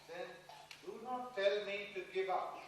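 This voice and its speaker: Actor as an earnest, high-voiced young mathematician. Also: male voice, measured pace. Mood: eager defiance. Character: earnest, defiant young Indian mathematician Ramanujan. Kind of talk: dramatised stage play reading. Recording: noisy echoey hall, far from mic.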